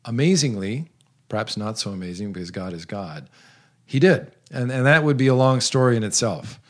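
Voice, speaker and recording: A man in his sixties who grew up in South America, giving earnest, measured interview answers with frequent pauses and restarts. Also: mid-range voice, expressive. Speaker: guest, retired missionary.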